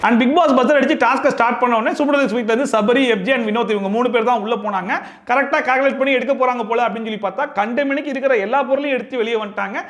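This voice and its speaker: Male show reviewer, very high voice, rapid sarcastic delivery, rhetorical questions. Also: a bit bright. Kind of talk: fast opinionated commentary.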